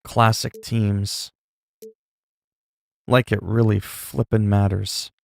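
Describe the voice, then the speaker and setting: Man, low gravelly voice, dry close sound, rambling gameplay chat. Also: little pitch movement, slow pace, no room sound. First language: French. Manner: rambling, self-talk with laughs and asides. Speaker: gaming streamer.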